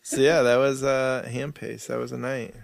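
A man's voice: mid-range voice, flat delivery, normal speed, creaky, no room sound. A young man co-hosting a podcast in casual chat, rambling, swearing freely and laughing often. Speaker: podcast co-host.

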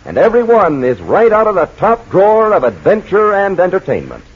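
A man narrating an old radio serial and reading its sponsor plug in a lively selling tone. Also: high voice, fairly quick, breathy edge. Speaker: announcer and narrator. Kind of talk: 1940s radio narration and ad read. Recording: tinny old radio broadcast.

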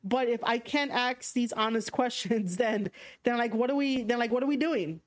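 A woman's voice: fairly high pitch, normal speed. Chatty woman with a New York accent. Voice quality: frank, rambling, many fillers and restarts. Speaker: livestream podcast host. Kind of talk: casual livestream chat reading viewer comments.

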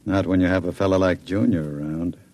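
An actor playing a smooth, scheming gangster who talks in a suave, menacing drawl, in a vintage radio drama. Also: male voice, deep voice, steady tone, brisk, a little mellow, close to an everyday voice. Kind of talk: 1940s radio acting.

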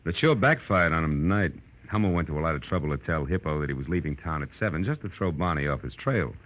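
A man's voice: a bass voice, lively intonation, quick pace, fairly bright tone, muffled recording. An American actor playing a wry, worldly, hard-boiled male private detective in clipped 1940s radio style. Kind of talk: 1940s radio detective acting, first-person narration.

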